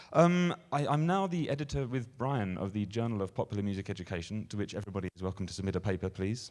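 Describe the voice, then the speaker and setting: Speaking very fast with hardly any pauses, a man with a British accent uses lively intonation at a fairly low pitch. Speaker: music education professor and drummer. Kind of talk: panel talk. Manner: hesitant, many fillers.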